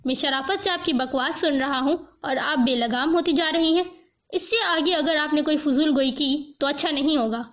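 A woman's voice: high voice, close to an everyday voice. A woman voicing a stern young army officer who speaks with curt, controlled anger, on a dull lo-fi recording. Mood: restrained anger.

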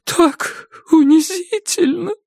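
A frightened young woman near tears, her voice high, thin and choked as she pleads and snaps back, as a male audiobook reader puts her on. The sound is dry and close. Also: slow, darkish tone, no echo, exaggerated voice. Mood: tearful. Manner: sobbing, choked, breathy pleading. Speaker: audiobook narrator voicing a character.

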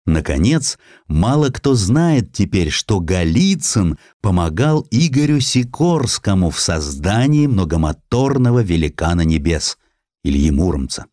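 A man with a low voice reads scripted historical prose as a narrator. His intonation moves widely and expressively, with a measured dramatic delivery. The recording is close and very dry. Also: big pitch swings, darkish tone, no room sound. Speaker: audiobook narrator.

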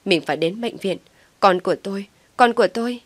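A frantic, grieving young mother, as a woman storyteller puts her on, her voice pitched low yet breaking into shrill, crying outbursts. The sound is dry and close, with no room around it. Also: brisk, dry recording, natural voice. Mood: distraught.

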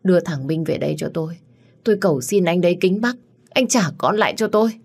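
A woman voicing a deranged, grieving older mother who rages and pleads in a shrill voice. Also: quick pace, creaky, a little mellow, husky. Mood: pleading. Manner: shrill, scolding, raving.

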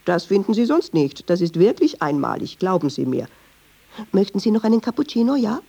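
A woman's voice: mid-range voice, very animated, fairly quick, gravelly, dark tone, husky, muffled recording, heavily acted. An actress playing a chatty, ironic Jewish woman who tells restless, digressive, insistent stories in a radio drama. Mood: wry, insistent. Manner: wry, digressive, insistent storytelling. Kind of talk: radio drama monologue in dialogue.

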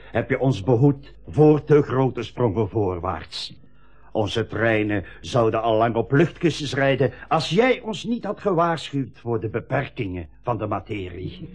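Slow, husky, jovial speechmaker. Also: male voice, medium pitch, darkish tone, exaggerated voice. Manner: ceremonial, jocular public speechmaking. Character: jovial male railway colleague giving a teasing retirement tribute. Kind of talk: radio play acting.

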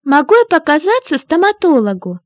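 A woman reading short translated phrases clearly and evenly in a language course. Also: high voice, sing-song, brisk, a little mellow, dry recording, clean studio sound. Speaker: Russian translation reader.

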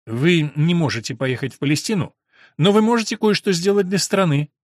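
A man's voice: a little high, fairly quick, dry recording, clean studio sound, lightly acted. A man voicing an earnest young male recruiter who talks persuasively.

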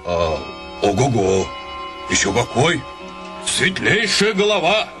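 A man's voice: mid-range voice, wildly swooping pitch, slow pace. An actor playing a boastful, drunken noble man who guffaws and splutters, in a radio play. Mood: fawning. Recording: radio play with loud music.

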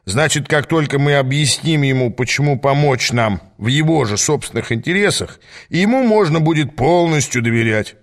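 A man voicing a gruff, wisecracking, menacing male companion who growls commands. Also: medium pitch, expressive, moderate pace, lightly acted. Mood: sly.

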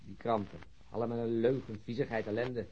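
A man's voice: medium pitch, steady tone, fairly quick, husky, close to an everyday voice. A man playing a grumbling, sardonic middle-aged police detective in a radio drama, bantering. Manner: sardonic, bantering, food-loving. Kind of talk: Dutch radio drama dialogue. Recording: dull lo-fi radio drama recording.

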